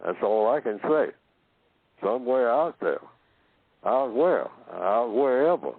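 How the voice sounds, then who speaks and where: A man from Oklahoma giving a slow philosophical talk, asking himself questions and answering them, and repeating phrases to build his point. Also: mid-range voice, big pitch swings, husky, no room sound. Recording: tinny phone-line audio.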